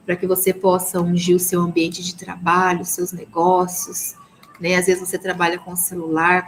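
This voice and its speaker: A woman with a Brazilian Portuguese accent and a lowish voice teaches a live online Bible class for a women's ministry. Her earnest, blessing-filled preaching is peppered with "amen?" and "né?" tags, and the poor audio carries a little hiss or hum.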